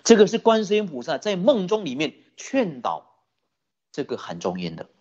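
A Buddhist dharma teacher telling a story in a sermon, animated, often asking the listeners questions. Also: medium pitch, normal speed, slightly rough, highs cut off. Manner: animated, many rhetorical questions to the audience.

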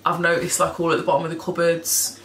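A woman's voice: lowish voice, completely flat delivery, fast, a bit bright. Chatty woman with a froggy throat. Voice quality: a bit hoarse, froggy throat. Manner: chatty, rambling, swears casually, laughs often. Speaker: cleaning vlogger. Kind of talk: casual chat to camera. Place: home kitchen, indoors. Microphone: camera in front of her at table height. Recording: echoey kitchen with background noise.

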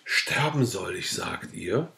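Male reader doing a dying old farmhand, soft and muttering, lowish voice, audiobook. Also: expressive, takes it slowly, gravelly, full character voice. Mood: weak, fearful. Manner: weak, quiet, indignant muttering.

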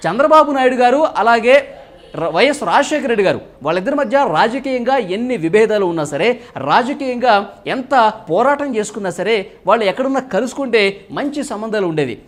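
Fast-talking high-voiced male commentator. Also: animated. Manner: fluent, explanatory, often opens phrases with English "so". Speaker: political commentator. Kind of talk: news commentary.

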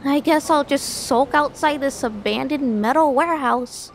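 A woman voicing an eager, naive young male superhero dog in a cartoon, earnest, excitable and hapless. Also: sits high, moderate pace, a little hiss or hum. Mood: dejected. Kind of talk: cartoon voice acting.

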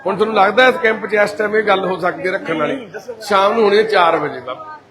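A man running a care shelter, talking calmly and gently with residents and their families. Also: high-pitched, quick pace, crowd noise. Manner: calm, gently reassuring, soft-spoken. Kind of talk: casual talk with residents and families.

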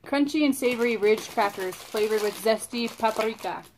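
A woman's voice: on the high side, normal speed. A young woman chatting casually with her friend, reading snack descriptions aloud with enthusiastic slang. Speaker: friend co-hosting. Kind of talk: casual unboxing chat. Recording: faint background noise.

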